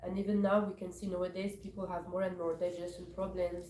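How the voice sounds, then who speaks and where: A woman teaches a scripture class in a mellow, soft-edged voice. She halts often and gropes for words. She sounds set back from the mic in a roomy, echoing hall with a faint hiss behind her. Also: fairly low pitch, level tone. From Morocco. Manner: hesitant, searching for words with many pauses. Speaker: class speaker. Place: temple hall. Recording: echoey hall from far off, faint noise.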